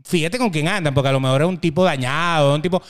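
A middle-aged Venezuelan man co-hosting a casual podcast, telling stories with lively energy and acting out the voices of people he quotes. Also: on the high side, fast talker, clean tone. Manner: animated storytelling, acts out quoted voices. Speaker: podcast co-host.

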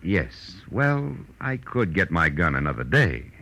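Deep, hard-boiled radio private eye. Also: male voice, big pitch swings, a little slow, bright, forceful tone, slight background noise, heavily acted. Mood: wry narration. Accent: American. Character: hard-boiled male private detective, wry and patient. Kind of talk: 1940s radio detective drama acting. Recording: vintage 1940s radio broadcast with music.

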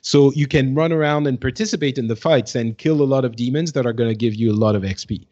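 A man's voice: mid-range voice, quick pace, mellow. Dull-sounding man, hesitantly chatting. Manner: hesitant, thinking aloud. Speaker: podcast co-host. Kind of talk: casual gaming chat.

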